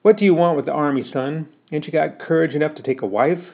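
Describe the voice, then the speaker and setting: Man putting on a scolding older country mother, rustic dialect, louder and higher, tinny phone-like sound. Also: fast talker, natural voice.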